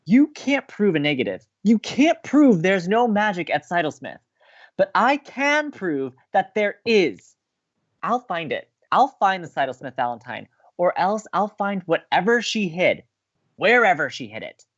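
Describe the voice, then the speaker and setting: A man's voice: sits high, very animated, unhurried, dull audio, exaggerated voice. A young man acting an earnest, emphatic college radio co-host who believes in romance, in a scripted romantic comedy audio drama. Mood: defiant, determined.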